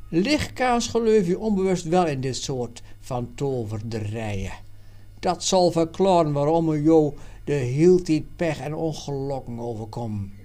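A man reading aloud and voicing Jan, an adult man and worldly former trader who explains things earnestly and loudly. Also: on the high side, animated, measured pace.

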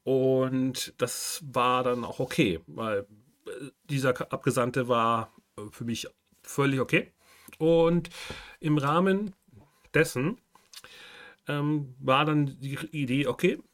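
A man hosting a podcast, talking casually through his ideas and often pausing and restarting his sentences. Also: medium pitch, fairly bright tone. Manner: thinking aloud with many fillers and restarts. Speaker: podcast host and game master. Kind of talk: casual monologue.

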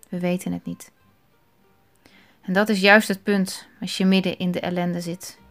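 A woman speaks a slow, reflective meditation in a quiet, thoughtful voice. At times she drops almost to a whisper. Her pitch sits in a middle range.

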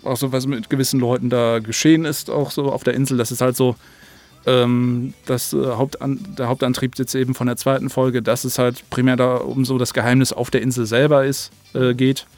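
A man's voice: mid-range voice, flat delivery, brisk, darkish tone, soft background music. A man with a mid-range voice talks as a guest in a casual interview. He speaks informally and colloquially, rambling loosely as he explains things. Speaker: audio drama writer, director and producer, interview guest.

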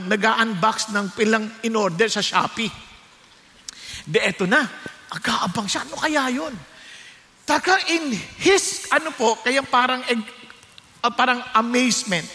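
A man preaches an animated sermon in a very high, bright voice, drawing the congregation in with a story. His voice rings out with a long reverb in a large church hall. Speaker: pastor.

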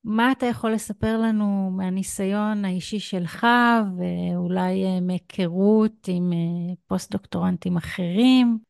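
A woman's voice: mid-range voice, fairly even intonation, creaky, few pauses, warm tone, smooth, dry recording, clean studio sound. A woman with an Israeli accent hosting a conversational podcast interview. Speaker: podcast host.

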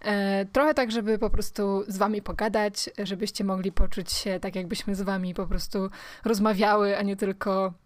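A woman's voice: medium pitch, fairly even intonation, moderate pace, no echo. A woman co-hosting a podcast, chatting casually and directly to listeners. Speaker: podcast co-host.

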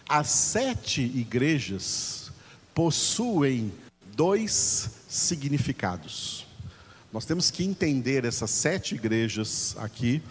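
A man teaching a Bible lesson as a preacher, slow and emphatic, repeating his key points for the congregation. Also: medium pitch, in a large hall, slight background noise.

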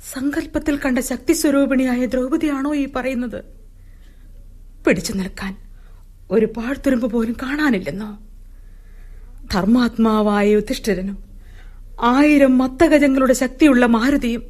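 A woman's voice: high-pitched, a little mellow. Kunti, stern royal queen mother. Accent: Malayali. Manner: solemn, declamatory, scolding. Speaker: radio drama actor. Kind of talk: 1970s-style radio drama acting.

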